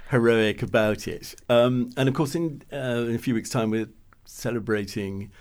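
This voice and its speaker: A man's voice: medium pitch, moderate pace, a little mellow. A man with an English accent interviewing an author in a conversational, somewhat hesitant way. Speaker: book editor interviewing an author.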